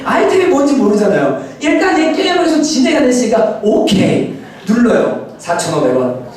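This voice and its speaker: A man preaching a sermon, telling a family story with lively voices for his wife and son. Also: extremely high pitch, brisk. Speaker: pastor. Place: church sanctuary. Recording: echoey church hall, mic at a distance.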